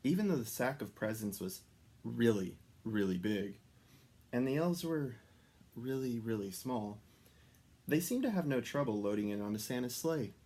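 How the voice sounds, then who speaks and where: A man reading a children's story aloud as an expressive narrator. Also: medium pitch, moderate pace. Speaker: storybook reader.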